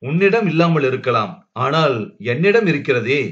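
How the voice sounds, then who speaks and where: A trusting husband speaks steadily and kindly in a slightly high voice, as a man narrator plays him. The recording is dull and lo-fi. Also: expressive, moderate pace, natural voice. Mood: reassuring.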